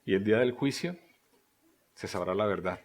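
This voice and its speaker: A man preaching a sermon, asking rhetorical questions and voicing quoted prayers, his delivery swinging between loud emphasis and near-whispers. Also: on the low side, normal speed. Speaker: pastor.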